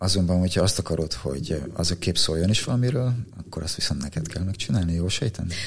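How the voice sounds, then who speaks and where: A man with a very deep, low voice talks very fast with lively intonation. Noticeable background noise runs underneath. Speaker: podcast host, photographer. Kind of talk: casual interview chat.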